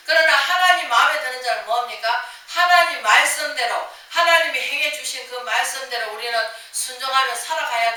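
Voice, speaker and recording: An older woman pastor delivers a sermon in a bright, fairly high voice, firing rhetorical questions and answering them herself. She stands away from the mic in a church sanctuary with heavy echo. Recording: echoey room, voice from far off the mic.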